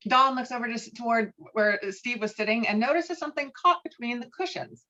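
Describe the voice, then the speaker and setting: Bright female voice, fairly high, animated scripted narration, stage directions, slightly muffled lo-fi audio. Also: fairly quick. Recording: dull lo-fi call audio.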